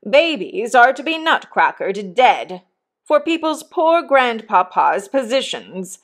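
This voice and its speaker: A woman voicing an exasperated middle-aged gentleman in a storybook, a helpless father exclaiming in despair. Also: fairly high pitch, sing-song, takes it slowly, pitched above the performer's own voice, exaggerated voice. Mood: desperate.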